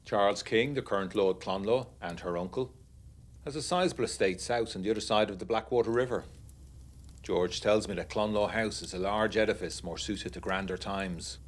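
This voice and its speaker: Actor as low-voiced genteel gentleman letter-writer. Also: normal speed, lightly acted. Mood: wry, confiding. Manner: literary, genteel, wryly confiding. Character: genteel young gentleman war veteran writing letters, uneasy, wry. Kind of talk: scripted first-person letter narration, gothic period audiodrama.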